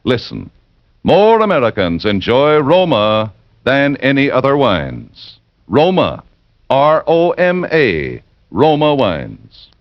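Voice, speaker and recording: A man delivering a persuasive old radio ad in a smooth announcer voice. His pitch moves lively up and down. The sound is dry and dull, like a 1940s broadcast. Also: slow pace, dry recording. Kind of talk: scripted radio advertisement.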